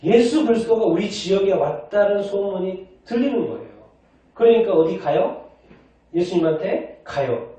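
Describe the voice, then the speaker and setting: A man's voice: high-pitched, lively intonation, normal speed, mellow. A male pastor preaching a sermon, asking the congregation questions and then answering them himself. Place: church sanctuary. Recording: distant, echoey, dull church recording.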